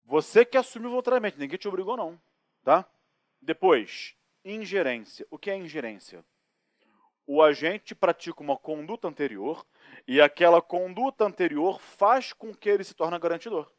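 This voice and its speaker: A man with a Brazilian accent lecturing on criminal law, lively and joking, acting out anecdotes and asking rhetorical questions in a recorded course. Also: fairly high pitch, moderate pace, no room sound. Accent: Brazilian Portuguese.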